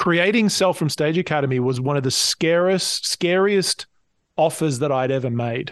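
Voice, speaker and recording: In an Australian accent, a man with a fairly high pitch speaks at a moderate pace with ordinary pitch variation and very even loudness, the sound dry and close with no echo against a quiet background. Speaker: business coach and speaker. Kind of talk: interview.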